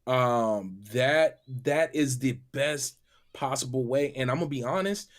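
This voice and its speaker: A man's voice: mid-range voice, a little slow. Male, mid-range voice, casual gaming panelist, opinionated, conversational.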